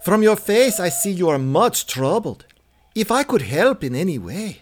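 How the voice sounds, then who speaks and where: A man's voice: high voice, very animated, normal speed, slight background noise. A man voicing a kindly white-haired old gardener, once a nobleman, who speaks in a courteous, soothing way.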